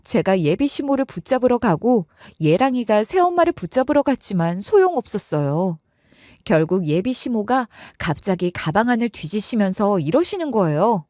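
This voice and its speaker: A woman's voice: medium pitch, big pitch swings, normal speed, darkish tone, no echo, clean studio sound. A young woman telling a first-person story in a chatty, conversational way.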